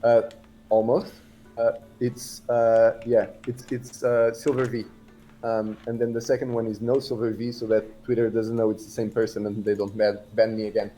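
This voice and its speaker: A man from Portugal chatting casually as a livestream guest, halting and rambling but blunt in how he talks. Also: lowish voice, level tone, warm tone, faint music behind.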